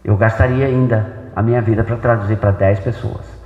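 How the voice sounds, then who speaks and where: A man's voice: lowish voice, fairly even intonation, moderate pace, phone-quality sound. A man with a Brazilian Portuguese accent giving an informal church lecture, explaining things conversationally and checking in with rhetorical questions. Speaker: pastor and Bible translator giving a talk. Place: church hall. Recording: echoey hall with long reverb.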